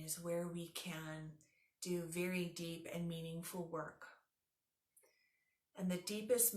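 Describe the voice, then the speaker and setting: Lowish voiced lady teaching yoga nidra, soothing slow guided meditation, echoey room. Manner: soothing, instructive, unhurried guiding.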